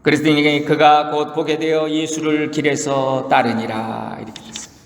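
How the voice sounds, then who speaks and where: A man's voice: fairly high pitch, normal speed. Preacher man in an echoey hall. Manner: lively storytelling with acted-out quotes. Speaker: pastor. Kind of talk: sermon.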